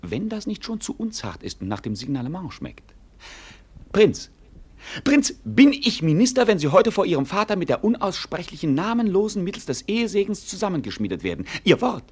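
A mocking court jester in a comic radio play. His husky voice sits fairly high and leaps around in pitch, with a sardonic, mock-pompous, theatrical delivery. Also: big pitch swings, fairly quick, exaggerated voice. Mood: incredulous, eager. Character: mocking, down-to-earth jester companion of a prince. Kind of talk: classic German radio play acting, comic.

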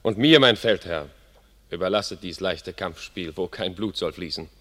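An actor playing a confident, boastful English army officer in a classic radio drama, declaiming stage verse. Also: male voice, low voice, normal speed, a bit bright. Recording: reverberant hall sound.

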